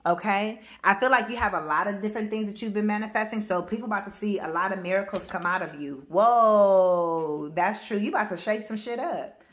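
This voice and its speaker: A woman with AAVE speech giving a spiritual reading to camera, loud and powerful, blunt and emphatic, cursing freely and restarting her sentences. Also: mid-range voice, brisk. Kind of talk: casual spoken reading to camera.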